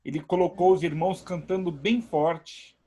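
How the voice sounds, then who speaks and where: A man's voice: high voice, steady tone, moderate pace, mellow. A man, a pastor hosting an online service from home, speaking emphatically and praising God. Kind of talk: warm preaching talk.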